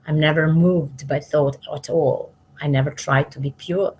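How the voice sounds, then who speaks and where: A woman reading spiritual verses aloud devotionally, in measured short phrases that trail off softly at the ends. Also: low-pitched, fairly even intonation, slight background noise. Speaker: reader of spiritual scripture, commenting as she goes.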